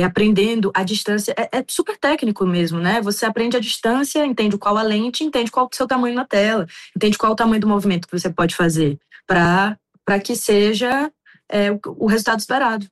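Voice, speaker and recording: A young adult woman from Bahia, an actress answering interview questions in a reflective way, with many fillers and restarts. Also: mid-range voice. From Bahia, Brazil.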